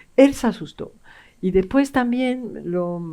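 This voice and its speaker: A woman with a non-native accent speaks in a dark, mellow tone. The recording is very clean, with a silent background. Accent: foreign-tinged Spanish. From French Morocco (Casablanca), raised outside Spain. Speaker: art curator. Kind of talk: public conversation. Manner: halting.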